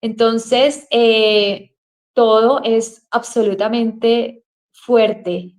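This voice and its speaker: A woman with a Colombian accent giving an earnest personal testimony, speaking haltingly with frequent restarts. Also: medium pitch, darkish tone.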